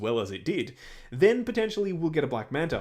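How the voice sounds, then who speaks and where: An Australian-accented man with lively intonation, on a very clean recording with a silent background. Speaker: toy collector YouTuber. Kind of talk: livestream Q&A reading chat comments. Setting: solo livestream at home setup. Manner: casual, hesitant with fillers.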